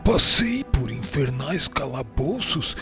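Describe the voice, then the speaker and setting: A man's voice: medium pitch, big pitch swings, slow, over music. A man acting in a radio drama as a tormented, pious spirit of a dead sinner, pleading and justifying himself in formal, florid, anguished speech. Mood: anguished, imploring.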